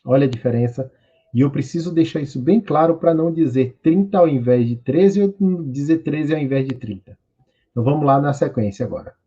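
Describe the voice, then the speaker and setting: A man from Brazil teaching an online English class, slow and patient, drilling words for students to repeat. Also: medium pitch, dark tone, husky. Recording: dull lo-fi audio.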